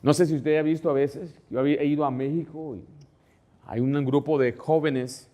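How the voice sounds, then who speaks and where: Fairly high-voiced male pastor preaching. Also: fairly even intonation, moderate pace. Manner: conversational preaching, asks congregation to follow along; rises louder and higher when stressing a point. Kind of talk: sermon.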